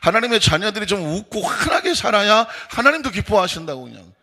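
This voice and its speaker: A male pastor preaching an animated, folksy dawn-service sermon in a church, with a husky voice. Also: high voice, fairly quick. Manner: folksy, emphatic, acts out quoted congregants. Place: church sanctuary.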